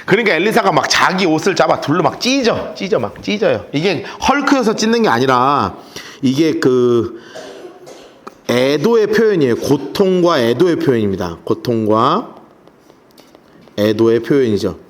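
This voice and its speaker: Lively high-voiced male pastor. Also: normal speed. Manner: lively storytelling, gives note-taking instructions. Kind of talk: animated Bible teaching sermon.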